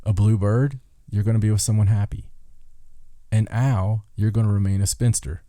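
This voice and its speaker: A man's voice: fairly low pitch, fairly even intonation, moderate pace, dark tone, no room sound. A man hosting a podcast, reading out folklore in a casual way with dry, joking asides. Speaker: podcast host.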